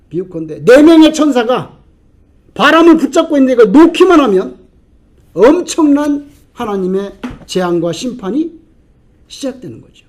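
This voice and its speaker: A middle-aged man from South Korea preaching a sermon as pastor, telling stories with animated swings and sudden quiet asides. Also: very high voice.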